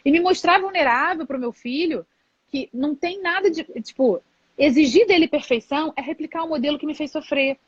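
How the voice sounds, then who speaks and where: Candid woman, high voice, dull dry audio. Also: a little fast, dry recording. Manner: reflective, candid, many filler "né". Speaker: live stream host, mother. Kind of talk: casual conversation on a live stream. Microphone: video call.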